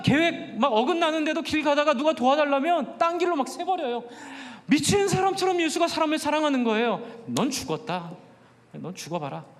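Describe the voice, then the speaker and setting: A male pastor preaching a Sunday sermon, fervent and emphatic, throwing rhetorical questions at the congregation. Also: extremely high pitch. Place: church sanctuary. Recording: long reverb of a church hall.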